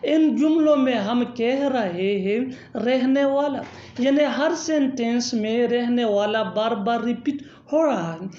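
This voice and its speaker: Lady teaching english structures, says every example twice real slow, echoey room. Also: fairly high pitch, warm tone, dull audio. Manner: repeats each English example slowly and deliberately. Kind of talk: scripted grammar lesson.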